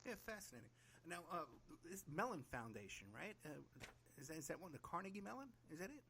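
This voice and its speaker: This man hosts a podcast and keeps the interview chat casual, fast and enthusiastic, full of laughs and fillers. His voice is high-pitched with big swings, bright and forceful, against slight background noise.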